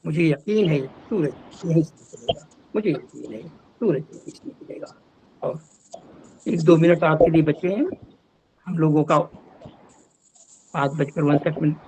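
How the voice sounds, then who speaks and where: A man's voice: fairly high pitch, unhurried, vocal fry, long pauses, a little mellow, slight background noise, poor audio. A man, a poet, reciting his ghazals over a video call and repeating each couplet twice.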